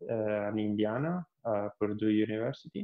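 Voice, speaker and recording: With an Italian accent, a man speaks at a very slow pace and a medium pitch. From northern Italy, Carpi near Bologna. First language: Italian (speaking French). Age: 30s. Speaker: astrophysics researcher. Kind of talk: interview. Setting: livestream festival interview. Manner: halting, with many repetitions.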